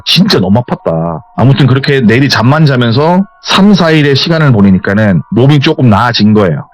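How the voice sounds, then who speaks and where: Male horror-radio host, chatty spooky storytelling, swinging pitch. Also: no room sound. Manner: lively, chatty storytelling with hearsay endings. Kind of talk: retelling a viewer's ghost story.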